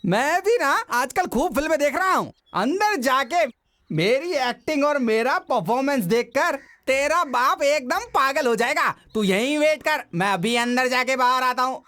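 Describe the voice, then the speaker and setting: Scheming, bragging uncle; high-pitched, showy film dub. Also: male voice, expressive, moderate pace, sharp tone, heavily acted. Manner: boastful, theatrical. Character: boastful comic uncle, middle-aged man, scheming. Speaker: comic maternal uncle. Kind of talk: Hindi film dubbing.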